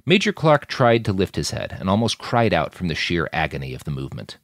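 A man reading scripted audiobook narration in a measured storytelling way. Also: low voice, sing-song, no echo, clean studio sound.

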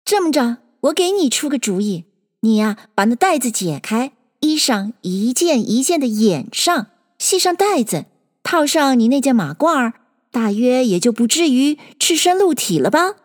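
A woman voicing a bold, impatient young swordswoman who speaks briskly and bluntly. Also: high-pitched, very animated, big-room sound. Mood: teasing. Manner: brisk, scolding, forceful.

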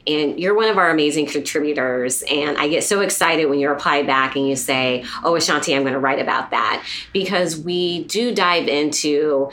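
A woman's voice: low-pitched, normal speed, hardly any pauses, fairly bright tone. A woman hosting a podcast interview, speaking with enthusiasm as she introduces her guest's writing. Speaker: podcast host. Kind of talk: casual interview chat.

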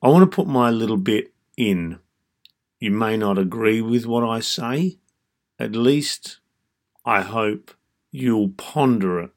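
An Australian man in his fifties speaks in a lowish voice at a very unhurried pace. He delivers a reflective podcast monologue, measured and deliberate, setting down his thoughts a few words at a time. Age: 50s. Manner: measured, deliberate, broken into short phrases. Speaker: podcast host.

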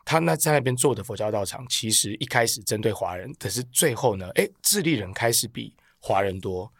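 A man's voice: fairly low pitch, lively intonation, brisk, vocal fry, dry recording, clean studio sound. A man with a Taiwanese accent speaking as a podcast guest, telling stories casually in a colloquial, self-deprecating way. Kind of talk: casual conversational storytelling.

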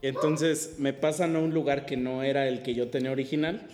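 A man with a Mexican accent telling a story to friends in casual slang, animated and often laughing as he talks. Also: medium pitch, brisk, background noise. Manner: slangy, drops "güey" constantly. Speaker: podcast co-host telling a story.

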